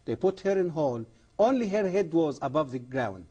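A middle-aged man speaks as a TV guest, fervent and earnest, in halting non-native English full of restarts. His voice is husky and mellow, pitched a little above the usual for a man. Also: very animated, muffled recording. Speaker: guest, former imam. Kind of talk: earnest testimony on a TV program.

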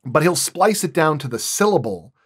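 A man's voice: on the high side, big pitch swings, normal speed, husky. Man explaining his craft, thinking aloud. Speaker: sound designer, guest. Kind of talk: casual explanatory podcast talk.

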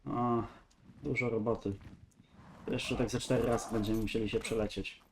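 A man's voice: mid-range voice, flat delivery, moderate pace, noisy background. Stuffy-nosed man commentating a game. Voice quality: nasal, stuffy nose. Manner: rambling, thinking aloud. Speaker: gaming video host. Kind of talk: casual gameplay commentary.

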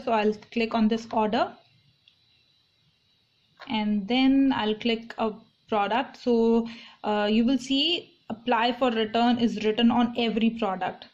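A woman's voice: fairly high pitch, a little mellow. A young woman with an Indian accent talking casually to viewers and explaining things in a vlog. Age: young adult. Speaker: online shopping vlogger. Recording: dull lo-fi phone audio, clear background noise.

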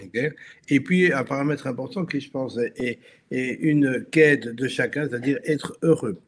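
A man born in Belgium presents slides to an online audience, and his delivery stumbles often, with restarts and fillers between phrases. He speaks over a video call with a faint noise behind him. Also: mid-range voice. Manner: halting, many restarts and fillers. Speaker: guest speaker. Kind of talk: webinar presentation.

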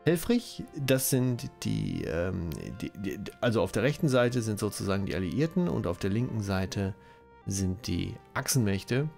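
German guy with a cold, lowish voice, rambly lets-play chatter, faint music underneath. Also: animated, a little slow, gravelly, a little mellow. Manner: rambling, self-correcting, chatty. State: has a cold, coughing. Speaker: let's-play host. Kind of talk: casual game commentary.

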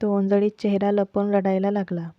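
A woman reads a family drama story aloud at a steady pace, changing her delivery for each character. The sound is dry and close, with a dull, lo-fi tone. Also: mid-range voice, a little fast, no room sound. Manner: steady expressive reading, voicing each character herself. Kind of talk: reading a self-written serial story.

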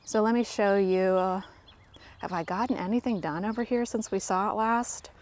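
This garden vlogger films a relaxed outdoor tour of her own garden on a handheld phone, keeping herself off screen. She has a mid-range, slightly mellow voice at a normal speed. Chatty and self-deprecating, she addresses her viewers as if they were friends.

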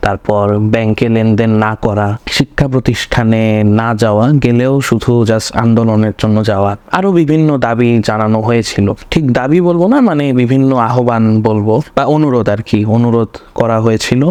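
A young man with a voice slightly hoarse from a cold, talking through his thoughts in a rambling home vlog and often correcting himself. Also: mid-range voice, fairly quick, darkish tone, no echo. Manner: rambling, self-correcting, searching for words. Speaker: vlogger. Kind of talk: casual personal vlog commentary. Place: home room.

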